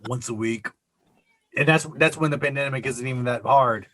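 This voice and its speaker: A man's voice: mid-range voice, normal speed, fairly bright tone. A man hosting a podcast party over a video call, teasing and joking with guests. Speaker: podcast host. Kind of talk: casual chat on a video call.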